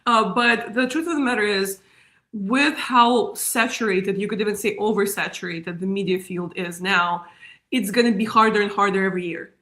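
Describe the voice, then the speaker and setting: A woman's voice: medium pitch, moderate pace. Russian-accented woman in an echoey room. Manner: animated, laughs often. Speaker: guest, media strategist. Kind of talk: casual interview talk.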